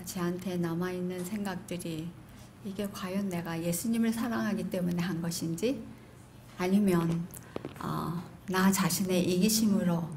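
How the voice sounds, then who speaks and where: A middle-aged Korean woman introducing herself to a group in a hesitant, reflective way with pauses. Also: on the low side, a little mellow. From Korean living in California, United States. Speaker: seminar participant introducing herself. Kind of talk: halting self-introduction to a group. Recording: noticeable background room noise.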